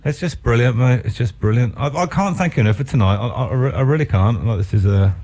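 A man's voice: mid-range voice, fast talker, darkish tone. A man hosting a casual radio interview, effusive and enthusiastic. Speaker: radio host.

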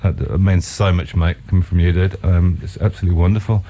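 Lower-voiced New radio host. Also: male voice, fairly even intonation, fast talker, a little hiss or hum. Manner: enthusiastic, warmly effusive. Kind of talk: casual radio interview.

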